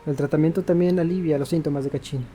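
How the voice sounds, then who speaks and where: Fast-talking man doing game commentary. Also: on the high side, steady tone, mellow, faint music behind. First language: Spanish. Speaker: gaming YouTuber. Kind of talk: casual let's-play commentary.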